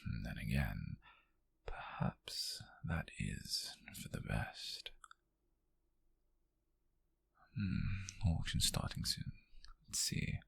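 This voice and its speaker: A British man playing a possessive, calculating nobleman in an intimate ASMR roleplay, speaking in a soft, menacing, condescending murmur close to the mic. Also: sing-song, slow pace, exaggerated voice. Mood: bored, disdainful. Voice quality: breathy, husky, gravelly low murmur. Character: possessive, calculating noble man who buys captives at auction. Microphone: close mic, dry.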